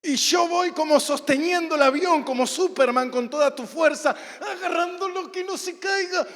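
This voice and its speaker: High-voiced Argentine pastor in echoing hall. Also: male voice, normal speed. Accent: Rioplatense Spanish. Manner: storytelling, acts out scenes, bursts into shouts. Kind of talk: sermon. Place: church hall. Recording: church hall reverb.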